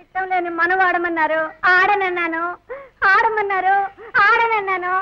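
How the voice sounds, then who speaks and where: A woman's voice: very high voice, steady tone, moderate pace, pushed and bright. An actress playing a naive, tearful young village woman who has run away from an unwanted match. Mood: plaintive. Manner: plaintive and naive. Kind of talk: comic film acting. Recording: lo-fi old film soundtrack, crowd behind.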